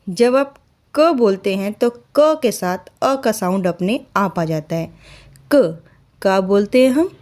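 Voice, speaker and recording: A woman teaching a beginner Hindi lesson, patiently repeating key points, asking learners questions and sounding out letters slowly and clearly. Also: medium pitch, darkish tone. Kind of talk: basic Hindi alphabet lesson.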